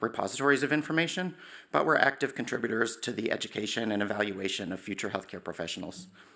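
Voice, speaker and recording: A man's very fast speech with lively intonation and a bright, sharp tone. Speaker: medical librarian and PhD candidate. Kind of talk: thesis defence presentation. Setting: university ceremony hall, live streamed. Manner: formal.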